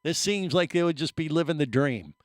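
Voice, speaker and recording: A man hosting a radio show, asking a guest questions in an excited, rambling way. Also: fairly high pitch, brisk, dry recording, studio quality. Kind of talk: interview conversation. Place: radio studio.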